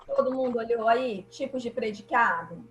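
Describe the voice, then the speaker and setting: A woman's voice: fairly high pitch, moderate pace, reverberant, slight background noise, rough recording. A woman teacher with a Brazilian Portuguese accent, patiently explaining grammar in an online class and often checking that students follow.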